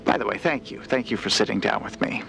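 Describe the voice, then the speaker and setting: A man playing a deferential journalist in an audio drama interview, hesitant and flattering as he speaks. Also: on the low side, fast, vocal fry. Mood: polite, formal. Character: admiring male journalist interviewing a scientist.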